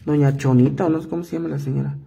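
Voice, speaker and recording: A man teaching a jewelry-making tutorial, hoarse from a cough, explaining each step patiently and repeating himself as he works. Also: on the high side, steady tone, racing, mellow. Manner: patient, repetitive step-by-step instructing. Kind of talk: hands-on craft tutorial.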